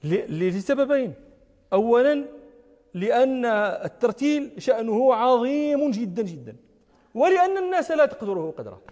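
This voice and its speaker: A man's voice: extremely high pitch, big pitch swings, normal speed, dark tone, muffled recording. Man, religious scholar, lecture, emphatic, rhetorical questions, long hall echo. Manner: emphatic, repeats phrases, asks rhetorical questions. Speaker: religious scholar teaching a lesson. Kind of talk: lecture on recitation and jurisprudence.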